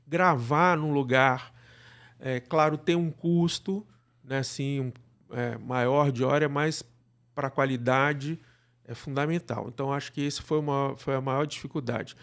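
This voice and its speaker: A man with a Brazilian accent answering interview questions conversationally, explaining in a halting way and often checking with the listener. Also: mid-range voice, fairly even intonation, fairly bright tone, clean tone. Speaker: podcast guest, radio drama producer.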